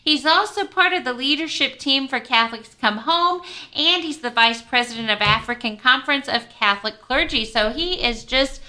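Woman, radio host, higher voice, crisp, chatty, explains step by step. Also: expressive, moderate pace, bright, forceful tone. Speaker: radio host running a pledge drive. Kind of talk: casual radio hosting.

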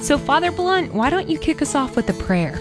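A woman's voice: high voice, sing-song, fairly quick, over music. A woman co-hosting a religious radio show with cheerful introductions. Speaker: radio co-host.

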